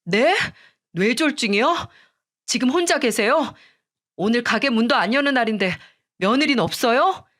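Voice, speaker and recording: A woman voicing an agitated grown son who scolds his wife in an angry, shouting manner, in a storybook radio reading. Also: fairly high pitch, animated, moderate pace, pitched above the performer's own voice. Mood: alarmed.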